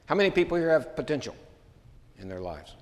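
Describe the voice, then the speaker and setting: A man's voice: fairly high pitch, big pitch swings, a little fast. Man preaching in a reverberant church. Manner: conversational storytelling, chuckles often. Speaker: pastor. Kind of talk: sermon. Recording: long hall reverb.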